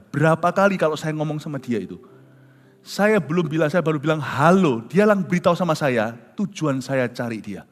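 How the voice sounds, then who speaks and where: Animated preacher man, big swings in pitch, church hall echo. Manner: animated, dramatic, mixes in English phrases. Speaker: pastor. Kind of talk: sermon storytelling. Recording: long church reverb with soft music.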